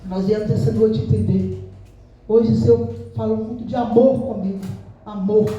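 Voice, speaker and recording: A woman's voice: medium pitch, steady tone, moderate pace, mellow, highs cut off, soft background music. A middle-aged woman with a Brazilian Portuguese accent, a missionary preaching an earnest, emotional sermon, often repeating herself and asking the congregation to agree. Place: church sanctuary. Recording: very echoey church from a distance.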